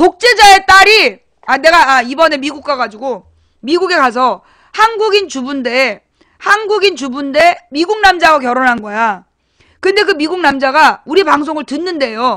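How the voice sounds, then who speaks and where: Raised and projected, a woman's high, bright, sharp voice sounds animated and swings very widely in pitch. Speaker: political commentary streamer. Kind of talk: casual political talk show. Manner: fast.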